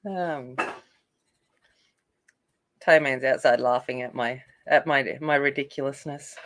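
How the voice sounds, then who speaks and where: A woman's voice: very deep voice, steady tone, takes it slowly. A woman casually chatting with live viewers as she colors, rambling and full of fillers. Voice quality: not soothing by her own account. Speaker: coloring channel host. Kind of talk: casual chat while coloring.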